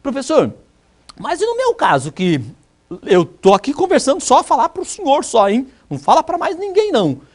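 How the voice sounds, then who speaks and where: Woman doing a nervous Brazilian student, pitch jumping high, confiding, pleading. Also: wildly swooping pitch, normal speed. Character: anxious adult student teacher, pleading.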